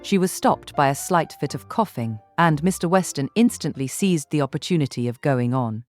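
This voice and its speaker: Low-voiced woman narrating. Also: animated, moderate pace, darkish tone, faint music behind. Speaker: audiobook narrator. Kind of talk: scripted literary narration.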